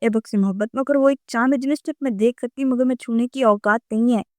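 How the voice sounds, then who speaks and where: A woman voicing a shy, heartbroken young woman in a romance story, with a raised pitch. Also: quick pace, no echo, clean studio sound, natural voice. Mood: pleading. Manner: emotional storybook reading.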